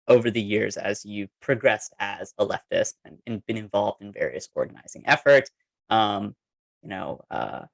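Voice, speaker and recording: Low, gravelly-voiced male moderator. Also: fairly bright tone, dry recording, rough recording. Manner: loose, rambling questions with many fillers. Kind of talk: online panel discussion.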